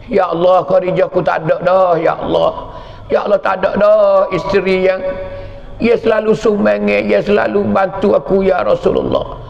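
A man's voice: high-pitched, level tone, moderate pace, vocal fry. A man with a Pattani Malay accent voicing a grieving husband who prays aloud in anguish. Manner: anguished, repeated invocation. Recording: echoey hall, dull lo-fi sound.

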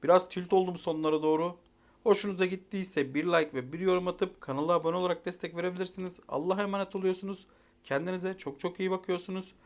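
A man giving live commentary over a mobile game, exasperated and barking rapid repeated commands, then calmly talking to viewers at the end. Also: sits high, creaky. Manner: calm wrap-up talk to viewers at the end.

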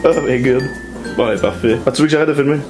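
A man's voice: mid-range voice, fast. A man in his twenties with a Quebec French accent, in casual teasing chat behind a vlog camera. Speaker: friend filming a vlog. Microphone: handheld vlog camera. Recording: loud music behind.

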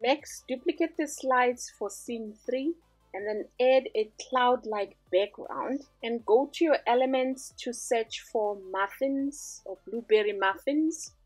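A woman with a somewhat high, breathy voice talks through a design tutorial step by step. Her delivery is upbeat and instructive. The voice-over sounds dry and close, with soft music faintly behind it. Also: slow pace, dry recording, rough recording. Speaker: tutorial host. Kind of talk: screen-recorded design tutorial.

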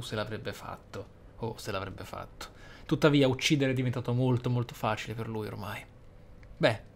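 Guy doing roleplay game commentary, mid voice, reflective n emphatic, bit of noise and game ambience. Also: mid-range voice. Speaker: gaming video host. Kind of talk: roleplay let's play commentary.

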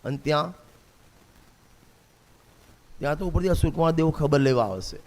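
A man's voice: on the high side, lively intonation, fast, darkish tone. A man delivering a sermon in a slightly raised voice, returning again and again to one refrain and pressing his listeners with rhetorical questions. His voice rings out through the long reverb of a large hall. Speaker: preacher.

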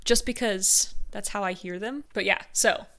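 A woman's voice: medium pitch, normal speed, bright, forceful tone. A young woman hosting a casual reaction video, chatty and gushing, with a groggy morning voice.

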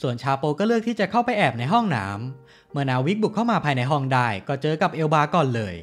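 A man's voice: on the high side, sing-song, quick pace, soft background music. A man narrating a TV series recap in a chatty, casual storytelling way, with polite sentence endings.

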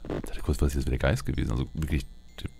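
A man's voice: very deep voice, fairly even intonation, racing, vocal fry, noisy background. A man giving casual roleplay gameplay commentary, muttering his thoughts aloud in fragments. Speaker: let's player. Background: game ambience.

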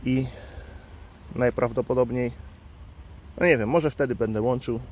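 A man at mid pitch talking casually as he tends beehives outdoors, filmed on a handheld phone. He is unhurried and thinks aloud, pausing on fillers. A faint hum of bees and outdoor ambience sits behind him. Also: darkish tone. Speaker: beekeeper and channel host. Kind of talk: casual hands-on explainer vlog. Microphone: handheld phone camera. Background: faint outdoor ambience with buzzing bees.

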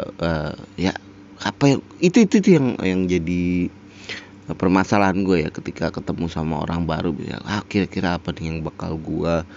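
A man's voice: low voice, creaky, a little mellow, highs cut off, slight background noise. A man hosting a casual reaction commentary, rambling with many fillers and frequent chuckles. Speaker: reaction video host.

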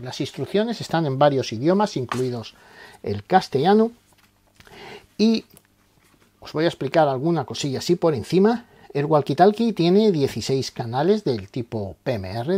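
Higher-pitched Spanish man with a mellow voice. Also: breathy edge. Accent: Spain. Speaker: product reviewer and tutorial presenter. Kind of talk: explanatory product tutorial narration.

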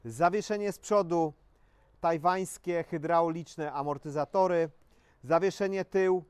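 A man in his forties presenting a dirt bike to camera outdoors, listing specs in a steady sales pitch with frequent filler sounds. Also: unhurried, smooth, no room sound. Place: outdoors in front of a shop wall.

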